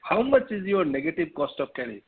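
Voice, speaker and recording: A male caller puts a long-winded question on an earnings call, repeating himself as he goes. His pitch is a bit high, and the line is thin and phone-like. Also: very animated, a little fast. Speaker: investor caller asking questions. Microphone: telephone call.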